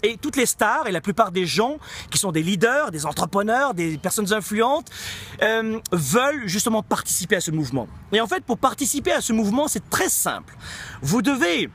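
A man's voice: sits high, big pitch swings, moderate pace, a bit bright, a little hiss or hum. A man in his forties, a coach giving an emphatic motivational talk to camera outdoors, asking rhetorical questions and repeating key phrases. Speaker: coach and company founder. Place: outdoors in a park. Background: background music.

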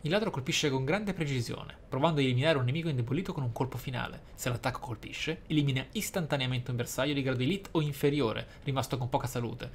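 A man's voice: medium pitch, quick pace, few pauses, slight background noise. A man giving video game commentary in wordy, formal phrasing. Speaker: video game let's player. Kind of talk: game commentary, reading skill descriptions aloud.

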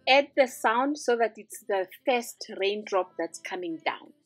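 A woman's voice: on the high side, lively intonation, a little slow, dry recording, faint music behind. A woman hosting a screen-recorded design tutorial, walking through each step in an upbeat, instructive way. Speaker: tutorial host.

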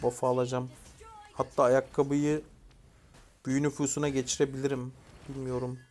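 A man voicing his own mobile game match, talking loosely to himself and his team. He drifts between muttered thinking and loud, excited calls for the team to attack. The sound is close and casual, like a streamer at his desk. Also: mid-range voice, normal speed, a little hiss or hum. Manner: excited shouting at teammates; chatty, swears casually. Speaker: gaming YouTuber. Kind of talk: live gameplay commentary.

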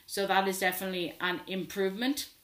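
A man's voice: sits high, steady tone, quick pace, fairly bright tone. A sixteen-year-old trans man, chatting candidly to his laptop camera from a small bedroom, with lots of fillers. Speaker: vlogger. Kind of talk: casual update to camera. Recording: echoey small room.

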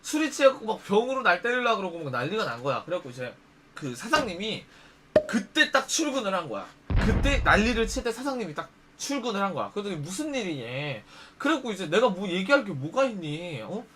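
Animated high-voiced man telling a story. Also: fast talker. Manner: animated, acts out quoted lines in shifting voices. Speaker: storyteller host. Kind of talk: casual storytelling monologue.

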